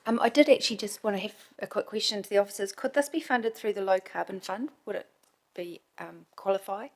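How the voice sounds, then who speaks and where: A woman's voice: mid-range voice, fairly quick, slight background noise. A woman with a New Zealand accent, a city councillor, asking a question and then commenting directly, thinking aloud. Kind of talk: speaking at a meeting.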